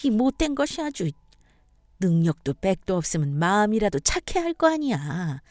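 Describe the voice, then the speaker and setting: A woman's voice: medium pitch, very animated, moderate pace, a little mellow, no room sound, studio quality, close to an everyday voice. A woman voicing a contemptuous middle-aged mother-in-law who berates and insults her daughter-in-law.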